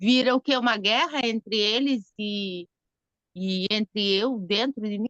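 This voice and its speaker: With a southern Brazilian accent, a woman speaks with ordinary pitch variation in a dry, close sound with no echo. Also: fairly slow pace. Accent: noticeable southern Brazilian. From southern Brazil, Rio Grande do Sul. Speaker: study group participant. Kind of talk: casual question in group discussion. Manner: halting.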